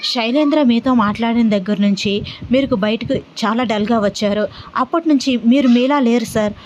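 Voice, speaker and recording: A woman's voice: on the high side, moderate pace, a little mellow, a little hiss or hum, close to an everyday voice. Woman voicing Vasu, a worried caring young woman. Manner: pleading, repeats "sir" often.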